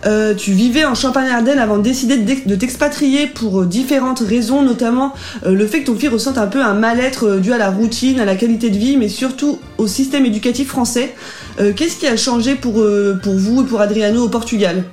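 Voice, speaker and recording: A woman's voice: fairly high pitch, brisk, a little mellow, faint music behind. A woman hosting a casual radio chat as columnist and interviewer, greeting listeners in a friendly, bubbly way.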